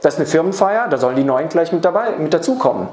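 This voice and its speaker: A man's voice: a little high, lively intonation, fast, darkish tone. A man giving a seminar talk on apprenticeship training to a live audience, speaking to them directly and posing rhetorical questions. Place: seminar or lecture room. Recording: roomy hall sound.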